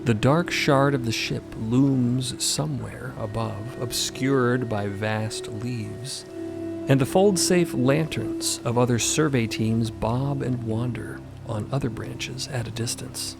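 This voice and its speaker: A man's voice: mid-range voice, slow pace, vocal fry, loud music behind the voice. A man narrator reading scripted audio fiction.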